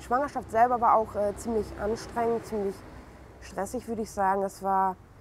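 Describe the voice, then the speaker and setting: Fairly high in pitch, a woman speaks at a moderate pace with monotone, flat intonation. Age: 20s. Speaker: young mother interviewee. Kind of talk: interview testimony. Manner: hesitant, many fillers.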